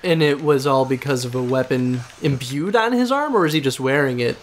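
A man's voice: mid-range voice, animated, a little fast, slight background noise. A man chatting casually as a gaming co-host, prompting the player with questions. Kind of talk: casual chat over gameplay.

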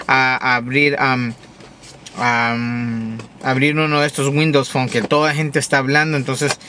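A man's voice: medium pitch, pushed and bright, slight background noise. Chatty man vlogging from his car. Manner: chatty, rambling, many fillers and restarts. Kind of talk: casual daily vlog. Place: in a car, driving.

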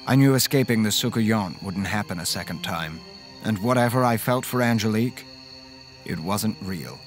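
An actor plays an earnest, haunted man with a low voice. He tells his horror story in a measured, dramatic way, with faint music underneath. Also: animated, close to an everyday voice. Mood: tense recounting. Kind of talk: first-person audio drama narration.

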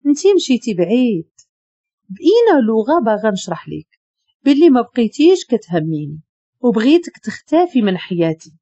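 A woman's voice: a little high, very animated, a little fast, warm tone, husky, no room sound, full character voice. A woman with a Moroccan accent voicing a stern, cold businessman who speaks curtly and harshly, recorded dull and lo-fi.

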